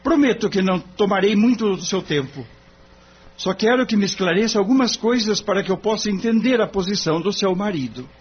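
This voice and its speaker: An actor playing a polite, earnest young lawyer who talks courteously but insistently on the phone. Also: male voice, sits high, animated, a little fast, husky. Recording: dull lo-fi radio recording.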